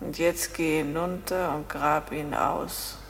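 Slow, low-voiced, cold commanding woman. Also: steady tone, gravelly, in a large hall, a little hiss or hum, exaggerated voice. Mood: hushed, commanding. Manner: insistent, measured, imperative. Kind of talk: psychological crime radio play acting.

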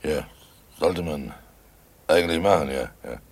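An actor playing a guilt-ridden, wily village innkeeper, nervous and falsely jovial, in a radio play, with a gravelly, husky voice. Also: male voice, rumbling low, a little slow, full character voice. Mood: forced joviality. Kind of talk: German radio play acting.

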